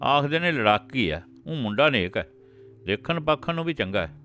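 A man's voice: medium pitch, sing-song, normal speed, bright, forceful tone, soft background music, voice pushed up. A man doing an earnest old village grandfather. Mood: earnest deliberating. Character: older grandfather, anxious village patriarch.

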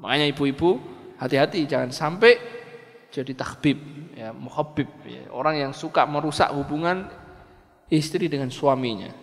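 Brief: male preacher, lively sermon, fairly high voice, long hall reverb. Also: normal speed, gravelly. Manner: conversational, animated, dramatizing. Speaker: Islamic preacher. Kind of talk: sermon with acted anecdotes.

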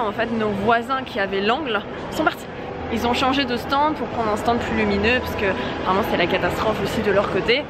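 A young woman talking to a handheld camera in a casual, chatty, self-mocking way, laughing often as she walks through a busy convention hall. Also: on the high side. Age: young adult. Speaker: artist vlogger. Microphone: handheld camera at arm's length. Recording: noisy crowded convention hall. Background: loud crowd chatter.

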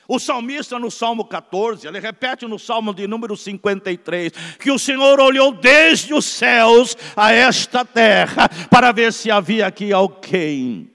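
High-voiced Brazilian pastor preaching fervently. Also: male voice. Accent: Brazilian Portuguese. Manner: preaching with swelling shouts and quiet drops. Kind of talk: Pentecostal sermon. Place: large church sanctuary at a pulpit. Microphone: pulpit microphone. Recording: long reverb of a large church.

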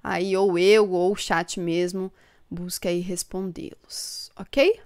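This upbeat young book channel host from São Paulo state, Brazil, has a smooth, slightly mellow voice that sits on the low side, with little pitch movement and a slow pace. Indoors in a home room with bookshelves, she chats with live stream viewers through a desk microphone in front, laughing often and reading their comments aloud.

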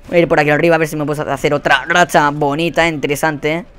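A young man with a Spanish accent commentating his own shooter gameplay, swearing a lot and quick to burst into angry shouts. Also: fairly high pitch, flat delivery, clean tone. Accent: Spanish from Spain. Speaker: gaming commentator. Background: faint gunfire from the game.

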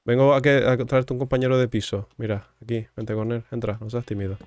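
A man casually commenting on his gameplay, teasing and chatting with the game's characters in a low murmur. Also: level tone, brisk, darkish tone, dry recording. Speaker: gaming streamer.

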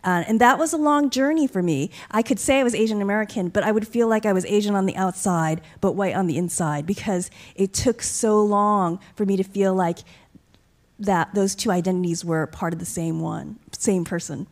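A middle-aged woman from upstate New York, an author speaking earnestly in an onstage conversation into a stand microphone. She talks reflectively and gets animated when she quotes other people. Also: medium pitch, normal speed. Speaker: author guest. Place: stage with curtain backdrop, library event. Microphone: mic on a stand.

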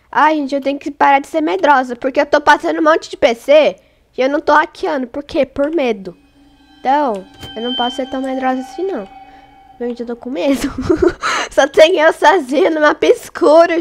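This is a high-pitched woman giving casual gameplay commentary. She sounds congested from a cold. She chats to her viewers and squeals easily at scares. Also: moderate pace. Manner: excitable, squeals and laughs when startled, talks to viewers. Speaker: gaming channel host.

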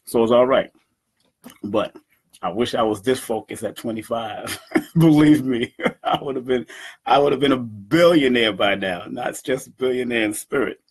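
Man in his 50s, husky voice, animated, laughing, webcam in a home room. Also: mid-range voice, normal speed. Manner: animated, laughing, boastful, talks with his hands. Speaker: event organizer and numerology teacher. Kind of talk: casual talk to camera. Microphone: webcam at desk.

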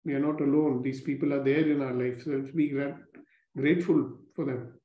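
A man leading a guided gratitude meditation, speaking slowly and calmly with repeated phrases. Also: mid-range voice. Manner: slow, calm, repetitive instructions. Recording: roomy, dull lo-fi recording.

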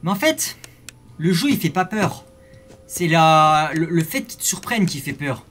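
A young man commentating a horror game live, swinging from startled yells to hushed muttering, full of slang. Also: fairly high pitch, expressive, a little slow, faint music behind. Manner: French street slang. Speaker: gaming youtuber.

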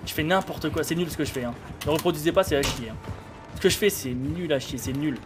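A man's voice: fairly high pitch, quick pace, music in the background. A man in his thirties thinking aloud in blunt, informal live gameplay commentary as a streamer. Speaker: game streamer. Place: indoor streaming setup.

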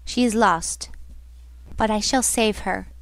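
A woman's voice: mid-range voice, takes it slowly, creaky, no echo. A woman voicing an ardent, jealous young man in a storybook, speaking in an urgent, challenging, dramatic way. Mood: angry, determined. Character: ardent, jealous young male suitor, impatient and protective.

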